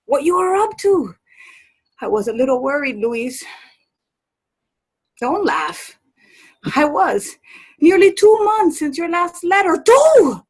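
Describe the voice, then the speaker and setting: A woman acting an old, doting and scolding Latina mother and servant in a play reading, fretful and sprinkling her speech with Spanish endearments. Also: high-pitched.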